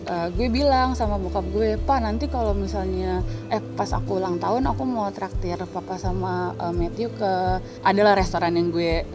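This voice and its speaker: A young woman, speaking in a halting way, often searching for her words. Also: medium pitch. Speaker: panel guest. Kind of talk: casual conversation. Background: soft music.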